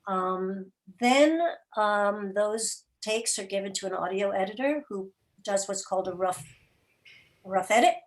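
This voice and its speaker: A woman speaking as an interview guest, explaining her production work informally in a halting, thoughtful way with searching pauses. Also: medium pitch, poor audio. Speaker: interview guest, radio program and podcast producer. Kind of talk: informal spoken explanation at an online gathering.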